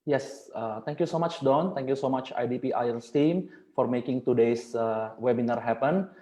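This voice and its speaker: A young man from Indonesia speaks English as a second language in an earnest, formal presentation, stacking repeated phrases for emphasis. His voice is soft and mellow, heard through a computer microphone on a video call. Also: mid-range voice, moderate pace. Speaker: guest speaker. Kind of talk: webinar presentation. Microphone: computer mic on video call.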